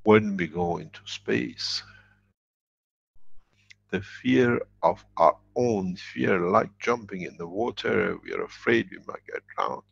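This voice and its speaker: Lecturing man, very deep gravelly voice, husky, emphatic and repetitive, dull lo-fi recording. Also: takes it slowly, no echo. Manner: emphatic, repeats key phrases. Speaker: workshop lecturer. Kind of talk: spoken workshop lecture.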